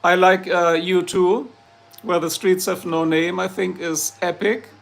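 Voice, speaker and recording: Brief: middle-aged German-accented streamer, hoarse, deeply gravelly, joking and rambling. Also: male voice, steady tone, a little slow, fairly bright tone. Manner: joking, chatty, reads out viewer comments. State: hoarse, losing his voice. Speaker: livestream host. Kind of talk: rambling casual chat with viewers.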